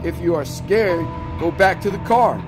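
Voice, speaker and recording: A man's voice: high voice, expressive, moderate pace, over music. A man voicing a whiny young man with a nasal voice who is obsessed with a phone game, in a read-aloud horror story. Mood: taunting.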